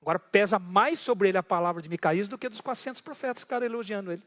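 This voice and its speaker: A man's voice: high-pitched, rapid-fire. A Brazilian man preaching a sermon as pastor, retelling a story vividly and turning to his congregation. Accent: Brazilian Portuguese. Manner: lively storytelling, addressing the congregation. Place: church. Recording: long church hall reverb.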